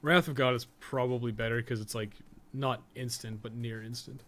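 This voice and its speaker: Male game streamer, average pitch, talking viewers through gameplay casually with some swearing; noisy recording. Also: fairly even intonation, moderate pace, fairly bright tone. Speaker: game streamer and guide host. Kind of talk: casual live gameplay commentary.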